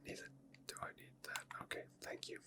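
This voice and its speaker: A person whispering unscripted ASMR gameplay commentary in a soft, breathy, unhurried way, thinking aloud. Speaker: gaming ASMR video creator.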